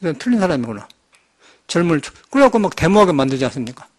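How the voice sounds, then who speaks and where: Fast-talking high-voiced monk. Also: male voice, sing-song. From Jeolla, South Korea. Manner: rambling, emphatic, conversational. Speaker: Buddhist monk. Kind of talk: dharma talk sermon.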